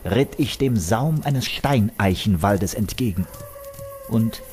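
A man's voice: lowish voice, expressive, slow pace, a little mellow, soft background music. A man narrating a comic swashbuckler radio play in the first person, in a pompous, flowery manner. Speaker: narrator and hero of the tale. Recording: clear background noise.

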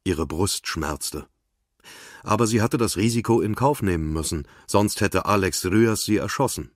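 A man's voice: fairly low pitch, normal speed, dry recording, studio quality. A man narrating a thriller audiobook in terse, tense scripted prose.

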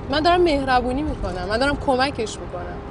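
A woman's voice: sits high, very animated. An anxious, argumentative young woman. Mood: resentful. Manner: anxious, defensive, quick to argue. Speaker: film character, worried young woman. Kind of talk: Iranian film drama acting. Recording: film soundtrack with clear background noise.

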